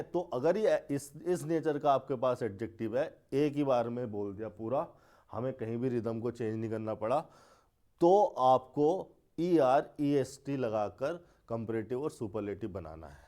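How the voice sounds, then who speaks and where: A man's voice: medium pitch, dark tone. A man teaching an English grammar lesson, explaining step by step with repeated words and rhetorical questions.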